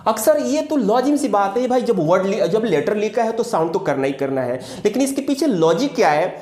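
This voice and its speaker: A man teaching an English grammar lesson. He drills example words emphatically, jumping high and dropping low, and slowly repeats key words. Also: sing-song, echoey room. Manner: emphatic, drills examples with sharp rises and drops. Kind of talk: classroom-style video lesson.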